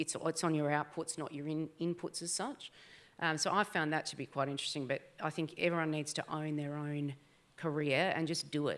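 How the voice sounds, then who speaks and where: With an Australian accent, a woman speaks in a very deep, low pitch at a fairly quick pace. Her intonation is fairly even, and the recording is very clean with a silent background. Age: 40s. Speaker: mining industry panelist. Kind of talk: panel discussion.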